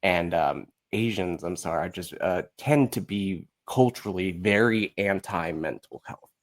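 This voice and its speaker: A man with a fairly low voice talks candidly as an interview guest. He tells stories casually, is blunt and pokes fun at himself, and voices the remarks he quotes. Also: measured pace. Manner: blunt, self-mocking, acts out quoted remarks. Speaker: podcast guest.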